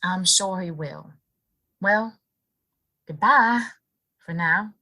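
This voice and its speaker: A woman's voice: mid-range voice, drawn-out words, pushed and bright, full character voice. A woman playing a sweet, earnest, modest young woman of the frontier in a western audio play. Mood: gentle, concerned.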